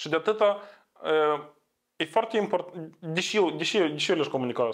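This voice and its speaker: High pitch for a man, ordinary pitch variation, and a fairly quick pace. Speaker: politician. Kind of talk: casual chat. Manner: loud; animated.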